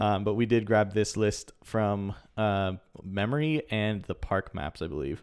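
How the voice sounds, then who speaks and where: A man speaks at a fairly slow pace in an ordinary speaking voice, fairly low in pitch and with ordinary pitch variation. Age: 20s. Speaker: podcast host. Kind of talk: casual chat.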